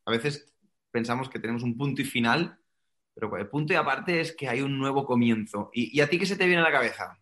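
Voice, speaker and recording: A man's voice: medium pitch, lively intonation, fairly quick, bright, forceful tone. A man from Spain with a Castilian accent hosting a casual interview podcast, chatting in an informal, joking way. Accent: Castilian Spanish, Spain. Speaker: podcast host.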